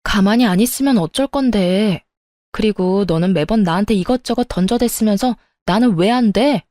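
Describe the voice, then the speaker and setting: A woman's voice: medium pitch, moderate pace, no room sound, studio quality, close to an everyday voice. A woman playing a fed-up young wife who talks back sharply to her in-laws, in a story radio drama. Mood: defiant. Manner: sharp, retorting.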